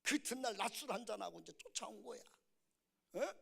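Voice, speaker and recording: Middle-aged pastor guy at a revival, high bright voice, super animated stories, keeps calling for amens. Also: fast, creaky, breathy edge. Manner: animated storyteller, calls out to congregation. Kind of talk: revival sermon.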